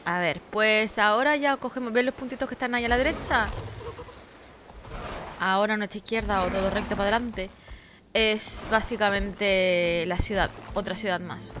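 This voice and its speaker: A woman's voice: mid-range voice, moderate pace, background noise. A woman giving casual gameplay commentary. She sounds tired and sleepy, chats freely, swears often and cries out dramatically for help during fights. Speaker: gameplay streamer. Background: game music.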